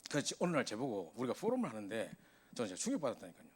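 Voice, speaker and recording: A man preaching a sermon to a youth service, telling stories in an animated way. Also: medium pitch, very fast, slightly rough. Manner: animated storytelling, voice rising in exasperation.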